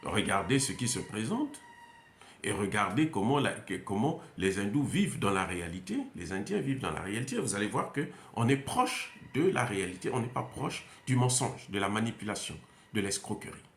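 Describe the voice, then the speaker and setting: A man with a Central African French accent talks in an emphatic, repetitive way, with frequent hesitations. His pitch rises and falls in a lively way, and the room around him adds a noticeable echo. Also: moderate pace, slight background noise. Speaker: commentator. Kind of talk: unscripted monologue. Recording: roomy echo.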